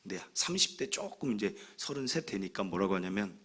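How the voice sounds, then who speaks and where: A man in his thirties, a pastor preaching a sermon, telling stories with animated humor and acting out what other people say. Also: on the low side, brisk, breathy edge. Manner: acts out other people's remarks.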